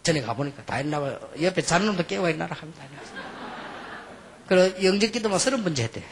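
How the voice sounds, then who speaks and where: A middle-aged man preaching a sermon, telling stories and swinging between quiet asides and emphatic outbursts. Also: on the high side, expressive, quick pace, a little hiss or hum. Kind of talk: sermon with anecdotes.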